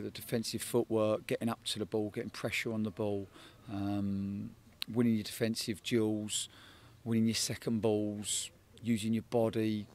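A man in his forties, a football head coach, giving a measured post-match interview outdoors at a night stadium, often repeating words as he thinks. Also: fairly low pitch, vocal fry, darkish tone. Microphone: handheld interviewer microphone.

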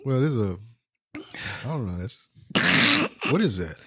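A man with a husky, mid-pitched voice drops dry, wry remarks in casual podcast chat. His intonation is lively. The sound is dry and close. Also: measured pace, dry recording. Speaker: podcast co-host.

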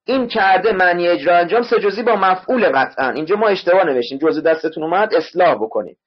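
A man's voice: high voice, lively intonation, breathy edge. A male literature teacher giving an online class lecture, explaining words one at a time and repeating spellings for his students. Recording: dull lo-fi online class audio.

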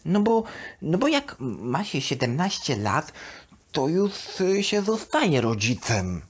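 Woman as a high-pitched, earnest little boy. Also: wildly swooping pitch, husky, heavily acted. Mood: earnest, hesitant. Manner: halting, childlike, thinking aloud. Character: earnest six-year-old boy, proud and hesitant.

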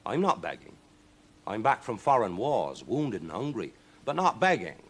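A man voicing a ragged, proud wandering soldier in a storybook, speaking in a quiet, plain way. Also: on the low side, very animated, moderate pace, husky, exaggerated voice. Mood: calm, proud.

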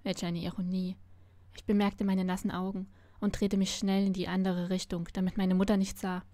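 Woman reader, expressive first-person narration, mellow dry voice. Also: medium pitch, moderate pace, dry recording. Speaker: story reader. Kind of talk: reading a novel aloud.

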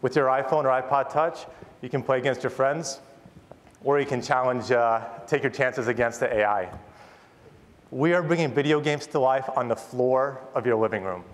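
This keynote comes from a company founder in his thirties, pitching a product with rehearsed enthusiasm on a large conference stage. He speaks at normal speed with a medium pitch, and the recording captures long hall reverb and audience noise.

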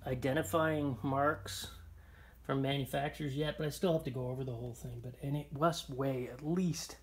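A man's voice: medium pitch, steady tone, moderate pace. Rambling man filming antique finds. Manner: rambling, many ums and uhs. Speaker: antiques dealer showing finds. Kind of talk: casual walkthrough vlog. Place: indoor shop or barn, tiled floor. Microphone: handheld phone camera. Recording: noisy phone recording.

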